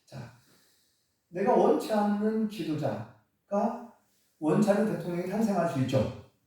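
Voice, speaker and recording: A man, a pastor, preaching a sermon in an animated storytelling way with chuckling asides. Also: high voice, measured pace. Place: church sanctuary. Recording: echoey church hall from far off.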